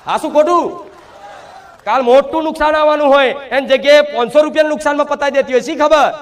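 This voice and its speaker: A man. He speaks in the first person as a divine mother figure and addresses devotees directly. His delivery is emphatic and full of rhetorical questions. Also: very high-pitched. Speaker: spiritual medium speaking as the goddess to devotees. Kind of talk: devotional sermon.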